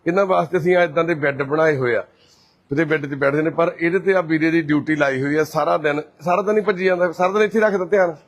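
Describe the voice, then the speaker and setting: A man from Punjab speaks with a Punjabi accent on a handheld phone as he walks through a shelter indoors, narrating live. His voice sits slightly high and turns cheerful and coaxing when he speaks to residents. He moves briskly between explaining and chatting. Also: steady tone. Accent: Punjabi from Punjab, India. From Punjab, India. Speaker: host and caretaker at a care shelter.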